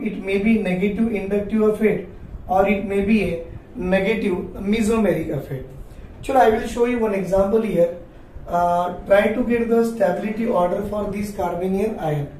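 A man's voice: high voice, warm tone. A man in his forties with a South Asian accent, giving an instructional classroom lecture, repeating points and asking questions he then answers. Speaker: chemistry teacher. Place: small indoor classroom at a whiteboard. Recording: roomy echo, distant mic, faint noise.

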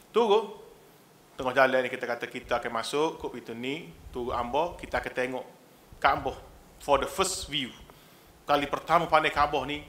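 A Kelantanese man preaches in a high, bright voice. He talks animatedly, slipping jokes in among earnest exhortations. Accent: Kelantanese Malay. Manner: animated, mixes humour with exhortation. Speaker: religious preacher. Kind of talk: religious lecture.

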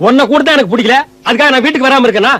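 A man's voice: very high voice, racing, bright, forceful tone. A man delivering mocking, exasperated film comedy dialogue, scolding everyone around him. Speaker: comic film actor.

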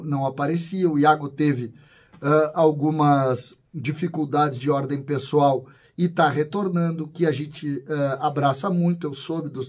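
A man's voice: a little high, darkish tone, breathy edge. A man, talking casually to camera about a football team from a small home studio, listing names and asking himself questions. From southern Brazil. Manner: conversational, lists names, asks rhetorical questions. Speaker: football commentator. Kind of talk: casual solo commentary to camera.

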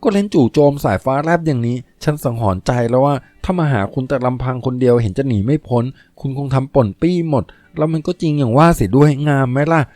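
A man's voice: quick pace, few pauses, no echo, lightly acted. A man doing a coy, teasing young woman. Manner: raised pitch, soft and coy.

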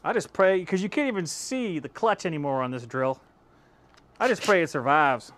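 A man's voice: on the high side, animated, moderate pace, fairly bright tone. A man in his thirties casually reviewing drills in his home workshop, talking into a lapel mic in an easygoing, chatty way. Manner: chatty and easygoing, laughs at his own results. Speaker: tool-testing YouTube host. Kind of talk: casual hands-on tool review. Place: home workshop with shelves of power tools, indoors. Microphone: clip-on lapel mic.

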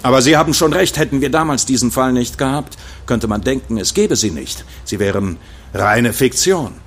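An actor playing a skeptical colleague of an inspector, musing aloud in a horror audio drama. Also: male voice, mid-range voice, expressive, normal speed, a bit bright.

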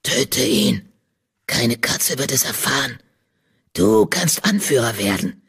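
An audiobook reader voicing a ghostly male cat leader who whispers temptations in a low, hissing voice. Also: expressive, takes it slowly, creaky, fairly bright tone, breathy edge, exaggerated voice. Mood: tempting. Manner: urging, seductive.

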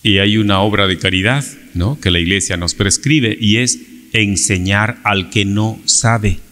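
A middle-aged man preaching a Sunday homily from a church pulpit, measured and deliberate, with rhetorical questions. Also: lowish voice, fairly even intonation, sharp tone. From Peru. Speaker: priest. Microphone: pulpit microphone on a stand. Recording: long church reverb.

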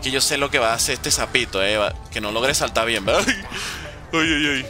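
A man's voice: medium pitch, lively intonation, normal speed, over music. A nineteen-year-old man from Venezuela, a gaming streamer chatting casually and joking sarcastically while answering viewers. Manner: joking and sarcastic while reading chat questions. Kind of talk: casual livestream commentary.

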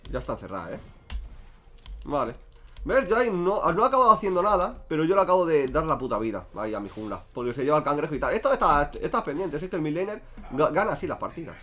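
Young male streamer, quick and lively, crude banter, faint music behind. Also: on the high side. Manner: crude, joking, talks to chat. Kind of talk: casual gameplay commentary.

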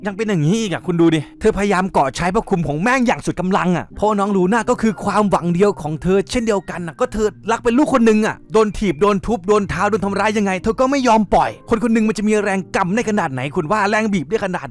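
A man narrating a casual manga spoiler recap in an excitable, crude, joking manner. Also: sits high, fast talker, few pauses.

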